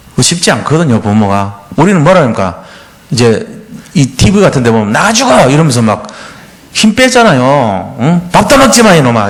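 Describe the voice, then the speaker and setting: A man preaches in a church with a lively voice that rises and falls widely. His tone stays conversational, and he often plays the parents and children he quotes. This is an animated, expressive sermon delivery. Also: mid-range voice. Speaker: pastor. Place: church sanctuary.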